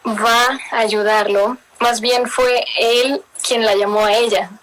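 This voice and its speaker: A woman's voice: fairly high pitch, fairly even intonation, slow, slight background noise, low-quality recording. Woman with a Mexican-tinged Spanish accent. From Miami. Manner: warm storytelling, mixing in English words, laughs often. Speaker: interview guest. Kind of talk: casual interview chat.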